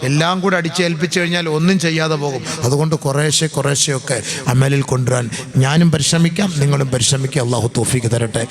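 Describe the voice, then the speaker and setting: A man preaching an Islamic sermon in to a gathering, swinging from loud, slow, chanted passages to calm, chatty asides. He questions the audience and jokes with them. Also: a little high.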